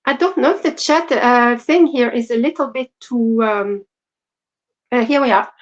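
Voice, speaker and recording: A woman with a French accent co-hosting a casual crochet livestream, soft-spoken and apologetic with many fillers. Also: fairly high pitch, measured pace. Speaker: co-host. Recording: dull lo-fi stream audio.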